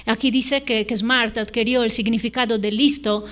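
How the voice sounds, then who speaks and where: A woman's voice: a little high, fairly even intonation, moderate pace. A middle-aged woman whose first language is Italian, giving an invited conference talk in a hesitant way, full of fillers and tag questions. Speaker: invited lecturer.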